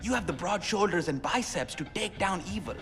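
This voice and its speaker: Excitable bright-voiced South Asian radio DJ. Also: male voice, high voice, fairly quick. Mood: earnest, fired up. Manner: theatrical, slangy, rambling. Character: excitable, chatty young male rebel radio DJ. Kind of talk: game cutscene acting with radio patter. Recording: music behind, long reverb.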